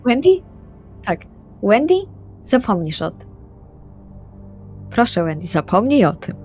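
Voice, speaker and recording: Earnest female role-player, mid-pitched. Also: lively intonation, unhurried, darkish tone. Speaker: tabletop role-playing player. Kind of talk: improvised in-character dialogue. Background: music.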